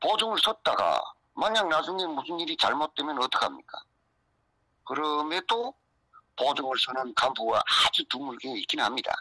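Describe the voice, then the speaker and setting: This voice has a bright, sharp tone and lively intonation, at a moderate pace with long, frequent pauses. The sound is dry and close, with no echo. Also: man, fairly high pitch for a man. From North Korea. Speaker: defector novelist. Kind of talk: radio interview.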